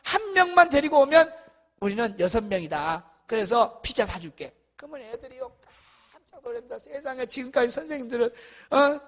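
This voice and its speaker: A middle-aged man from South Korea, a pastor giving an animated seminar lecture to church teachers, acting out dialogue and shouting at the peaks. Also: extremely high pitch, a little fast, a crowd in the background.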